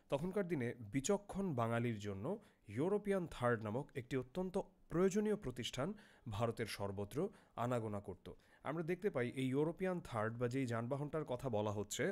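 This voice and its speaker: A man's voice: medium pitch, darkish tone. A young man teaching a literary text, reading a passage aloud and then explaining each word with questions.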